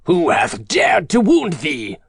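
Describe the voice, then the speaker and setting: Man playing a slow, big-hearted storybook giant. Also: mid-range voice, wildly swooping pitch, fairly bright tone, breathy edge, no echo, full character voice. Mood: angry, protective. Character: gentle giant, male, huge, big-hearted, fiercely protective. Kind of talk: storybook character voice in narrated fairy tale.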